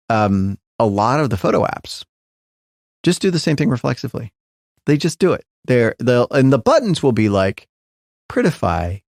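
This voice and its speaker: A man's voice: mid-range voice, a little mellow, no room sound, studio quality. A middle-aged man, a tech founder guest in an interview, talking thoughtfully with many restarts and fillers. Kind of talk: reflective interview conversation.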